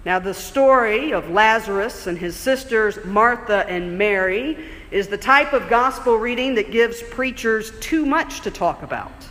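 A man preaching a sermon in a church, conversational and explanatory, slowing down for emphasis. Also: high-pitched, animated, sharp tone. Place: church sanctuary. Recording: long church reverb.

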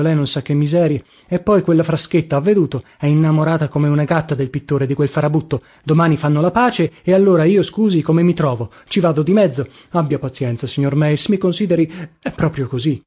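Un uomo che interpreta un segretario servile e untuoso, che supplica con umiltà e si lamenta della propria condizione, in un audiolibro. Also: male voice, a little high, a little mellow, close to an everyday voice. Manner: pleading, humble, ingratiating. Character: servile scheming male secretary, humble and wheedling.

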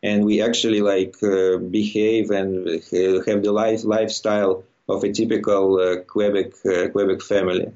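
A middle-aged man from Russia, a native Russian speaker with a Russian accent, giving a halting, conversational account as an interview guest and often searching for words. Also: fairly low pitch, level tone, mellow, muffled recording. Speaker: interview guest, immigrant to Quebec.

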